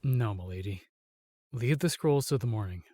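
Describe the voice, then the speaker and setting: A man's voice: mid-range voice, expressive, moderate pace, heavy background noise, close to an everyday voice. An actor playing a protective male knight in a fantasy audio roleplay, formal, courteous and earnest. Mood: gentle, courteous.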